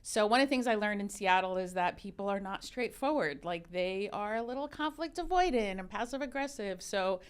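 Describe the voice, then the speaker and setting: A woman's voice: medium pitch, brisk, hardly any pauses, clean tone. Candid woman in her fifties. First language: Arabic. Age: 50s. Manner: candid, animated storyteller with frequent restarts. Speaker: guest, religious educator and consultant. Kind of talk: casual interview talk.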